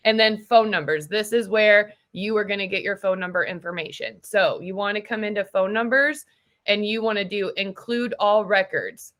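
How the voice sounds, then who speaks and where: A woman trainer explaining software steps in an informal, explanatory way, as in a casual tutorial for agents. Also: medium pitch. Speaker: trainer for real estate agents.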